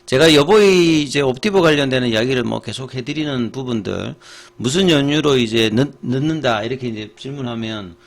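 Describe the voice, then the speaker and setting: A middle-aged man talks through market news in a casual explanatory way. He works step by step, often pausing on fillers and restarting his sentences. His voice sits at an ordinary middle pitch. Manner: explains with frequent fillers and restarts, steady and methodical. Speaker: stock market commentator.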